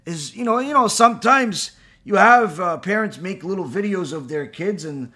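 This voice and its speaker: A man gives a lecture in a high, bright, slightly husky voice. His pitch swings widely as he fires off rhetorical questions, and he often stops on "you know" and "uh". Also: expressive, normal speed. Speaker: Torah teacher. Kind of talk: recorded lecture.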